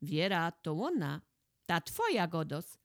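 A woman with a Podhale highlander accent voicing a stern old village lord who mocks and scolds in a folk tale. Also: very animated, slow, dry recording, studio quality. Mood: scolding. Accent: Polish highlander (Podhale). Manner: mocking, scolding.

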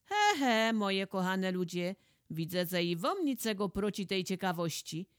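A woman with a Podhale highlander accent voicing a stern old village lord who mocks and scolds in a folk tale. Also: moderate pace, no room sound, studio quality, lightly acted. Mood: scolding. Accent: Polish highlander (Podhale). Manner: mocking, scolding.

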